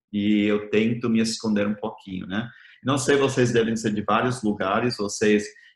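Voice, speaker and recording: A man with an American accent talks at a moderate pace. His medium-pitched delivery is monotone and flat. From USA. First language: English (speaking Portuguese). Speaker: missionary. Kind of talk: sermon. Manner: casual, conversational.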